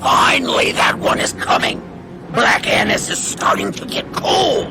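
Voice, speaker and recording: A man puts on a character voice at a moderate pace, with clear background noise. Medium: audio drama. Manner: eager, taunting.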